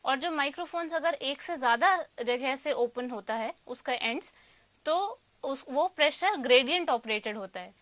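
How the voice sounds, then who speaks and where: A woman's voice: high voice, lively intonation, normal speed, a bit bright, dry recording. A woman with an Indian accent giving an explanatory lesson as a tutor, posing questions and then answering them. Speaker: electronics tutor. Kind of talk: explanatory lecture mixing Hindi and English.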